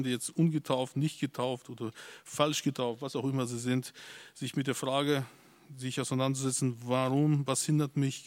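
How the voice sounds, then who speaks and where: A male pastor preaches to his congregation in a mid-range voice, at times emphatic and insistent, rising to forceful peaks, with hesitant restarts along the way. There is no room sound.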